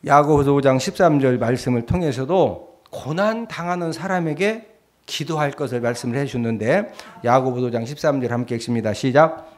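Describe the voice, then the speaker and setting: A man, a pastor, preaching a sermon, moving between quiet asides and loud exhortation. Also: a little fast. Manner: acts out pleading cries in a low voice.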